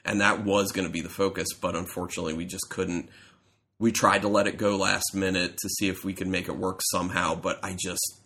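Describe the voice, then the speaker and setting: Male co-host, deep and stuffy-nosed, casual rambling chat. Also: level tone, fairly quick, bright, forceful tone. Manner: rambling, self-correcting storyteller. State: congested, stuffy from a cold. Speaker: podcast co-host.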